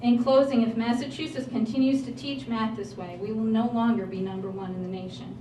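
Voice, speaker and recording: A woman's voice: fairly high pitch, fairly even intonation, brisk. A woman reading a prepared statement at a public hearing in an earnest, pleading manner. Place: large hall at a public hearing. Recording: roomy hall, voice from a distance, faint noise.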